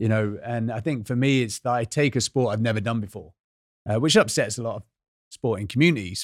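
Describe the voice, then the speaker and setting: Talking at a fairly quick pace with ordinary pitch variation, a man with a British accent comes through in a dry, close sound with no echo. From UK. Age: 40s. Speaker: ex-military adventurer. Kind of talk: casual chat. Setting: studio.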